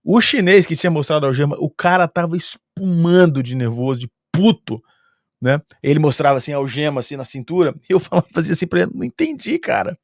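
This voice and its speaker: A fast-talking man with a Brazilian Portuguese accent casually tells a travel story, his voice sitting a little higher than most men's. He is lively, laughs often, and fills gaps with sound-effect words. The recording is close and dry, without room echo.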